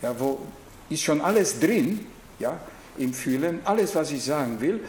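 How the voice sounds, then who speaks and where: Man, Hungarian accent, halting lecture, searches for words, faint background hum. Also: fairly high pitch, expressive, a little mellow. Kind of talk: reflective lecture to an audience. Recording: very echoey room.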